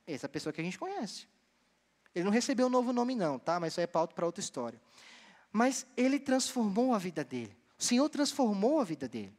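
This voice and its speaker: A young man from Bahia, Brazil, preaching a sermon as a seminarian and telling stories with lively delivery. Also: sits high, fast. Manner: storytelling, animated, addresses the congregation directly. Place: church hall. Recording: long church hall reverb.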